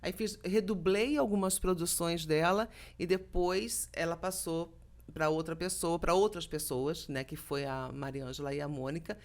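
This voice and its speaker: Her voice fairly low and her speed normal, a middle-aged woman from Brazil guests on a podcast as a voice actress. She tells stories with energy, acting out each bit of quoted dialogue.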